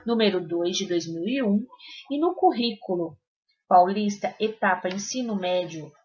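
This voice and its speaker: A woman's voice: mid-range voice, normal speed, a little mellow, muffled recording. A woman presenting part of a teacher-training session, formally reading out references from prepared notes.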